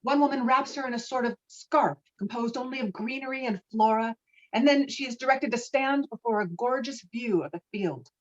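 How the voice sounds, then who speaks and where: A woman's voice: on the high side, moderate pace, dull audio. A woman reading stage directions as scripted narration for a virtual table read, recorded over an online call. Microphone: online call microphone.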